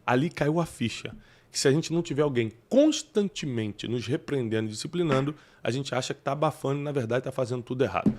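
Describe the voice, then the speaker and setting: A man's voice: mid-range voice, animated, quick pace, a little mellow. A man with a Brazilian Portuguese accent hosting a podcast conversation, talking in an emphatic, preacherly way and citing scripture. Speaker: podcast host.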